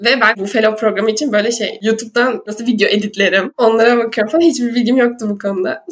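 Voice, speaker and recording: Fairly high in pitch, a woman talks at a fairly quick pace. Her tone is animated. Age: 20s. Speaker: university student and content creator. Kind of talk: casual interview chat. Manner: animated, laughs often.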